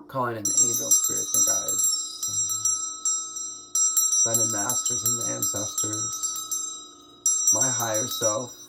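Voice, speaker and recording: A man with a scratchy, hoarse throat gives an unhurried spiritual card reading, musing aloud through pauses. His voice is gravelly and sits at a middling pitch. Faint noise hums behind him. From United States. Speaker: tarot reader.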